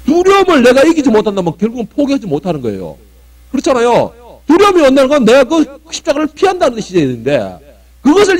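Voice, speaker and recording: A male pastor preaching a sermon with great emphasis, swinging between loud cries and low murmurs and acting out prayers dramatically. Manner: acts out prayers and quoted voices dramatically. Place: church sanctuary.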